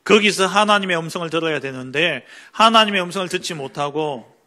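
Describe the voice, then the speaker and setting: A male pastor giving a Sunday sermon, preaching emphatically with rhetorical questions and swinging between loud stresses and quiet asides. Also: a little high, expressive, fairly quick.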